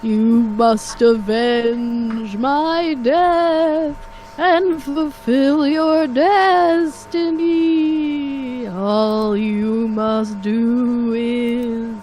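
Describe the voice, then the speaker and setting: A woman's voice: on the high side, darkish tone, soft background music, poor audio. A woman voicing a ghostly old male mentor who speaks solemnly and keeps coughing. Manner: slow, drawn-out solemn delivery broken by coughs. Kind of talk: let's play character voice.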